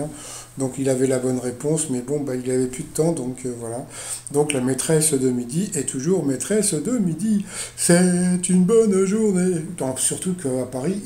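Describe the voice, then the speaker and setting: A man's voice: mid-range voice, mellow, roomy sound. A man casually recapping a TV quiz show, rambling with lots of fillers and restarts and chatty asides.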